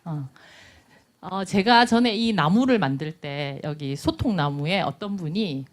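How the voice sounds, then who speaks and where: Brief: middle-aged woman instructor, animated pitch, acts out little dialogues mid-lecture. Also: measured pace. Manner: lively, acts out everyday dialogues in little voices. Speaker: nonviolent communication instructor. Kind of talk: lecture to a class. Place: lecture room.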